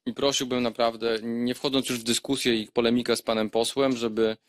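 A man chairing a parliamentary inquiry committee, speaking in a measured, admonishing way with frequent hesitations. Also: mid-range voice, level tone, a little hiss or hum. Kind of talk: formal parliamentary hearing.

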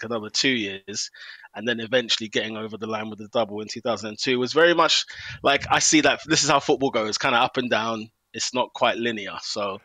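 A man in his thirties, a stadium announcer guesting on a podcast, telling stories in a quick, animated way. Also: medium pitch, no echo. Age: 30s. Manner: quick, animated storytelling with laughs. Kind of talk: conversational interview.

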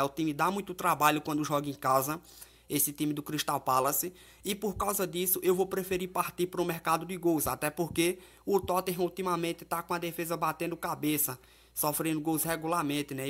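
A man's voice: fairly high pitch, fairly bright tone. A Brazilian man presenting casual football betting commentary as a tipster, talking to viewers in a familiar, colloquial way. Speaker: sports betting tipster and host.

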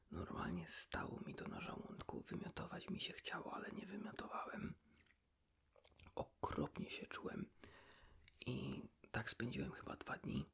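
Whispering man, breathy and creaky. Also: medium pitch, pushed and bright. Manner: whispering, confiding, informal storytelling. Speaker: ASMR video host. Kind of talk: ASMR, whispered casual chat with the listener.

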